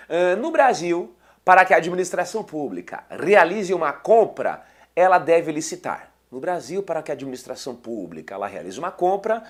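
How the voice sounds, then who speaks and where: A man with a cold and a slightly nasal voice, giving a chatty exam-prep lecture and talking straight to his students. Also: fairly high pitch. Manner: lively, chatty, addresses students as "gente". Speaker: teacher.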